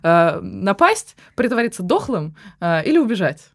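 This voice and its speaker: A woman's voice: mid-range voice, sing-song, vocal fry, breathy edge, dry recording, clean studio sound. A woman co-hosting a podcast as a psychologist, talking in a playful, casual way. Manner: playful, quick to laugh. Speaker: podcast co-host, psychologist-sexologist.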